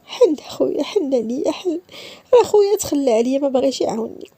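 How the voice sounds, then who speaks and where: A woman's voice: high-pitched, expressive, quick pace, dark tone, dry recording. A woman voicing a desperate older mother who begs tearfully for her son, with a Moroccan accent. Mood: pleading. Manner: begging, tearful pleading.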